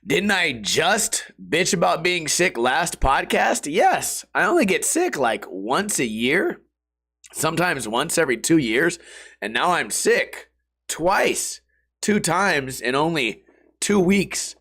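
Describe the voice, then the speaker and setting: A hoarse young American man talking through a cold, his voice rough and worn thin. He rambles from one topic to the next in loose slang with plenty of swearing, pitched a bit above most men. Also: big pitch swings, slow, fairly bright tone. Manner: slangy and profane, drifting between topics. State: sick, voice partly lost. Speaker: podcast host. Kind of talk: casual rambling monologue.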